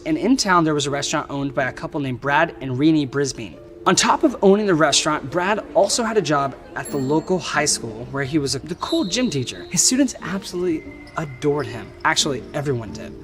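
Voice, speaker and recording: A man's voice: a little high, big pitch swings, a little fast, fairly bright tone. A man narrating a scripted true crime story in a conversational way, with wry asides. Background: background music.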